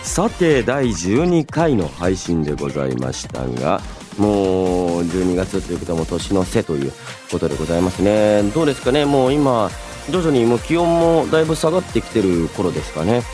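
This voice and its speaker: A man's voice: low-pitched, a little fast, few pauses. A man hosting a radio show in a chatty, playful yet polite way, moving between banter and announcements. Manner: playful, polite, animated delivery. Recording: voice over background music. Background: background music.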